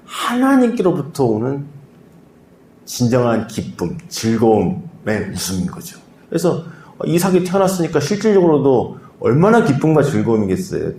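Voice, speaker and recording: A man preaching a sermon as pastor, in a conversational way with rhetorical questions and soft fillers. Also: mid-range voice, roomy sound, slight background noise, poor audio.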